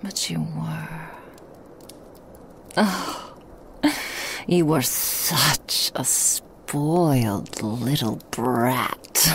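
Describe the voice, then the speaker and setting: A woman voicing a seductive, possessive female Krampus demon in a whispered ASMR roleplay, teasing and mocking in an intimate hush. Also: low voice, very slow, long pauses, a little hiss or hum, exaggerated voice. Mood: menacing.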